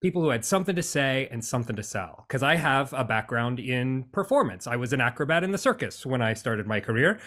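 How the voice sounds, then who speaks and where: A man's voice: mid-range voice, animated, a little fast, hardly any pauses, a bit bright. Upbeat american guy on a podcast call, talks a lot, laughs easy. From United States. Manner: cheerful, chatty, laughs easily. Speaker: guest. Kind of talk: casual interview chat.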